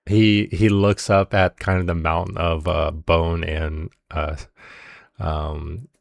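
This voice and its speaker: A man narrating as game master in a tabletop game, halting with many fillers. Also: low-pitched, little pitch movement, gravelly, no room sound, clean studio sound.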